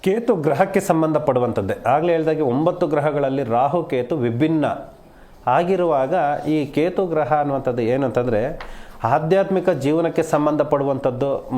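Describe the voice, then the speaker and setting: A man speaking as an astrologer on a live call-in show, calm and reassuring, drawing out important phrases slowly. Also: fairly high pitch.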